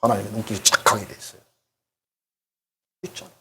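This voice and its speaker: A pastor with a low-leaning, creaky, husky voice preaches at a fairly quick clip. In this animated, conversational sermon, he speaks directly to the congregation and takes on the voices of those he quotes.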